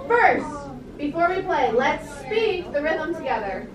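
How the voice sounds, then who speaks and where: A woman's voice: sits high, big pitch swings, unhurried, far from the mic. A young woman teaching a music class to small children, firm and upbeat, praising and counting off steps. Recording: echoey classroom from afar with loud ukulele music.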